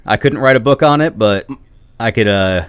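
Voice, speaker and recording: A man's voice: fairly low pitch, normal speed, clear, resonant tone, no room sound. A man chatting casually as a podcast guest in a laid-back, self-deprecating way. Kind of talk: casual chat.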